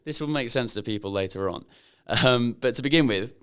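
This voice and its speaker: A man's voice: medium pitch, brisk, fairly bright tone, clear, resonant tone. A man hosting a podcast, asking chatty, friendly questions in a casual interview. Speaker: podcast host.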